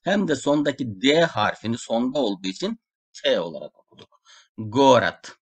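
A man's voice: medium pitch, big pitch swings, a little fast, slightly rough. A man with a Turkish accent teaching a beginner language lesson, patiently repeating each syllable and word so learners can follow. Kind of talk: slow lesson drilling syllables.

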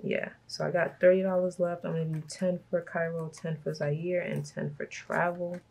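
A woman from Brooklyn, hoarse from a cold, chatting casually and laughing often as she talks through her budget. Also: fairly low pitch, flat delivery, moderate pace, a little mellow. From Brooklyn, New York. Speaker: budgeting vlogger. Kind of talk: casual chat while stuffing cash envelopes.

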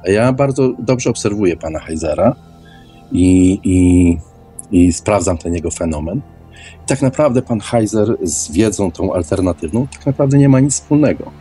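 A man's voice: low-pitched, expressive, moderate pace, mellow, soft background music. A man in an informal, opinionated radio discussion, speaking emphatically and often repeating words. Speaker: guest in an online radio debate.

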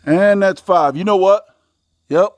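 Middle-aged American male, fairly high voice, folksy outdoor host commenting casually at a shooting range, dry sound with little echo. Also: unhurried. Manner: folksy, exclamatory, addresses viewers as folks. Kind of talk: casual commentary to viewers while target shooting.

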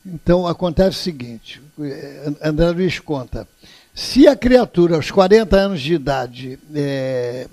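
A man's voice: on the high side, expressive, measured pace, warm tone. An older Brazilian man giving an earnest public lecture in a hall, telling stories with emphasis. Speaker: lecturer at a spiritist center. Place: indoor lecture hall, standing before an audience.

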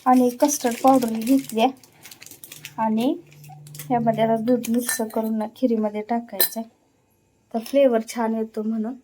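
A woman from Maharashtra, India, with a fairly high voice, chatting easily through her daily chores at home. She explains everything as she goes and scatters small fillers through her sentences. A faint hiss of noise sits under her voice. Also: flat delivery, moderate pace, long pauses, dark tone. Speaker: home vlogger. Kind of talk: casual vlog narration. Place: at home, in her kitchen and yard.

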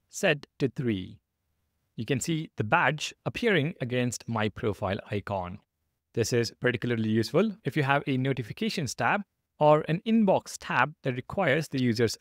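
A man's voice: mid-range voice, no room sound, clean studio sound. A man narrating a step-by-step programming screencast as the instructor, in a methodical, instructional manner.

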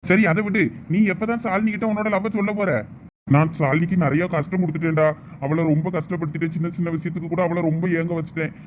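A young man voicing a village husband and his teasing friend in a comedy drama, with quick chatty banter and worried asides. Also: on the high side, dull audio, slight background noise, lightly acted.

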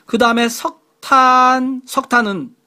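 A man's voice: very high voice, fairly even intonation, slow, bright, forceful tone. A man teaching a middle school science lecture online in a chatty way, repeating key words and checking in with rhetorical questions.

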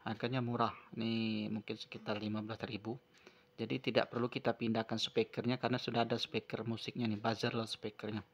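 A man with a lowish voice and a level tone talks fairly quickly as he presents a phone repair tutorial at a wooden table indoors. His narration is unscripted and hands-on, walking through each step and often repeating himself.

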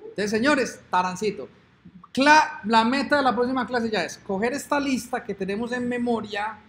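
A man's voice: very high-pitched, moderate pace, a bit bright. A man teaching a programming lesson, chatting and thinking aloud as he works through code on screen. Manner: chatty, thinks aloud, hums "ta ta ta" while waiting. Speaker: programming instructor. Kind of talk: screen-recorded coding lesson.

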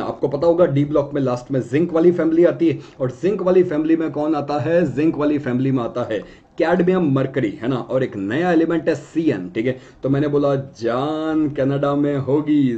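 A man's voice: medium pitch, warm tone, lo-fi sound. A man teaching chemistry in a casual, joking way, often checking in with his students. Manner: jokey, chatty, frequent check-ins with students.

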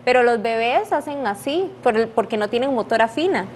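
Young Costa Rican woman, fairly high voice, clear explainer, interview guest on a lapel mic with faint studio hum. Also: lively intonation, brisk. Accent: Costa Rican Spanish. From Costa Rica. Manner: clear, explanatory, laughs easily. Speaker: sign language interpreter, guest. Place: dark studio set with armchairs.

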